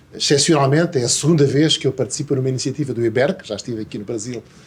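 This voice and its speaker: Very fast speech from a man at medium pitch, with ordinary pitch variation. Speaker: law professor. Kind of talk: lecture. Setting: auditorium at a seminar. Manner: formal; hesitant with fillers.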